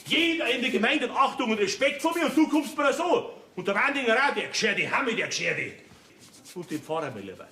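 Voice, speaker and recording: An actor with a Bavarian accent playing a bossy, self-righteous middle-aged farmer father who shouts orders, on a theater stage. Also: very high-pitched, sing-song, brisk, a little hiss or hum, exaggerated voice. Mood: blustering. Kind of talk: folk theater comedy acting. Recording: echoey stage recording.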